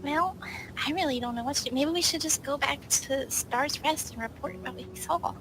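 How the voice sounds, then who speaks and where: A woman's voice: sits high, normal speed, music in the background, poor audio. A woman chatting casually as she improvises as a player in a tabletop role-playing game.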